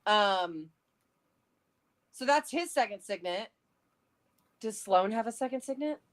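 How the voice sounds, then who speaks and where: A woman chatting casually and excitably, theorizing and thinking aloud as co-host of a livestream. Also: medium pitch, takes it slowly. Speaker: co-host of a book read-along livestream. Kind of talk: casual chat, theorizing about a fantasy novel.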